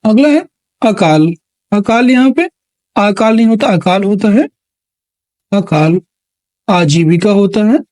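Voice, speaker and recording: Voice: mid-range voice, expressive, measured pace, long pauses, warm tone, dry recording. A Hindi exam-prep teacher working through multiple-choice spelling questions, reading each option aloud, repeating words and naming the right answer. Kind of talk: classroom lesson on spelling questions.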